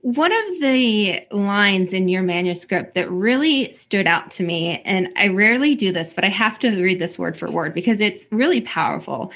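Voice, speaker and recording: A woman's voice: medium pitch, lively intonation, moderate pace, hardly any pauses, a bit bright. A woman hosting an interview, putting questions to guests in a conversational professional style. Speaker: interviewer, host.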